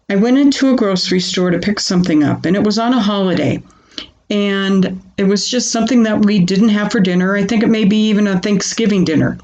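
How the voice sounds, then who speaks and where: A woman calmly talking listeners through a grounding exercise in an informal, conversational way, using questions and personal asides. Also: mid-range voice, dull audio. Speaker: presenter of a self-help grounding exercise. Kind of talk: conversational self-help talk teaching a calming grounding exercise.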